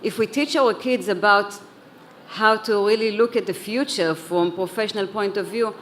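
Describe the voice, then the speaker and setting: A woman's voice: medium pitch, moderate pace, slight background noise. A woman who grew up in Israel, speaking earnestly on a conference panel, with a few restarts and repeated words. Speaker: panelist, head of an education organization. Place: conference hall.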